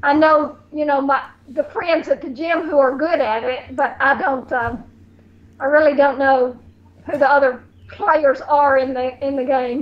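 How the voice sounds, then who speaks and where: At a very slow pace, a woman speaks in a high pitch. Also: fairly even intonation. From Alabama, USA. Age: 70s. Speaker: jiu-jitsu blue belt. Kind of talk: interview answer. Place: home room. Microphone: video call.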